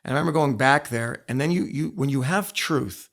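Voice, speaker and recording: A man with a creaky, gravelly voice tells candid stories as an interview guest. He is emphatic and often repeats a phrase to drive it home. His pitch sits in an ordinary middle range. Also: a little fast. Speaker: interview guest, former wrestler and coach. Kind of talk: candid storytelling in a podcast interview.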